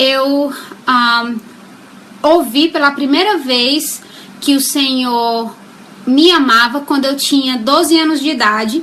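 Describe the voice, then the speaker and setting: A high-pitched woman in a Ceará accent, very slow with long, frequent pauses and ordinary pitch variation, over noticeable background noise. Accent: Northeastern Brazilian (Ceará). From Northeast Brazil, Juazeiro do Norte, Ceará. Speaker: Bible study teacher. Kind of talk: testimony. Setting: live stream. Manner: halting, with many fillers.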